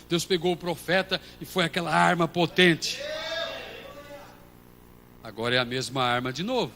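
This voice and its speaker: A Brazilian man preaching a sermon as pastor, moving between quiet storytelling and loud shouted passages. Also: on the high side, slight background noise. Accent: Brazilian Portuguese. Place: church hall.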